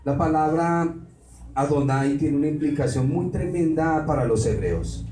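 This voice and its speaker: A man's voice: on the high side, a little slow, mellow. A man, a pastor preaching a sermon and putting rhetorical questions to the congregation. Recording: roomy hall, mic at a distance, faint noise.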